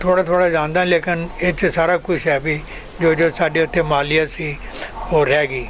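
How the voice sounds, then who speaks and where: This man speaks at a fairly high pitch in a monotone, flat intonation, with noticeable background noise in the recording. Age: 70s. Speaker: Partition survivor. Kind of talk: interview testimony.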